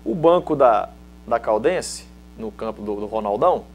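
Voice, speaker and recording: A middle-aged former footballer from Minas Gerais, Brazil, tells anecdotes in a casual interview with a Mineiro Brazilian Portuguese accent. He's a lively storyteller who acts out other people's lines. His voice is medium-pitched at a normal speed, with soft music in the background.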